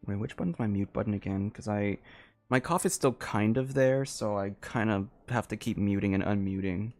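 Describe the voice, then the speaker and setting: A man livestreaming a game, chatting casually in a halting, rambling way into a close microphone. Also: on the low side, a little mellow.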